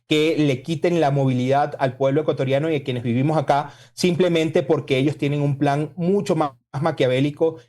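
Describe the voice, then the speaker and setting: A man from Venezuela, a political spokesman, speaking forcefully and combatively as a guest in a radio interview. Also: on the high side, fairly even intonation, moderate pace, hardly any pauses. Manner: forceful, combative political talk with emphatic lists.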